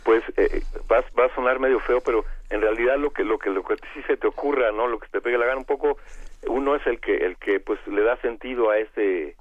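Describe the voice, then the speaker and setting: A man with a Mexican accent and a hoarse, cavernous voice from bronchitis, speaking haltingly as a guest in a radio interview over a phone line. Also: mid-range voice. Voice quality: cavernous, congested voice. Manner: halting, hesitant, searching for words.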